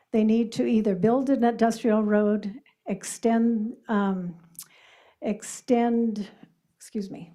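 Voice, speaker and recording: Woman, public testimony, mellow dark tone, emphatic, prepared remarks. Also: mid-range voice. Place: public board meeting room.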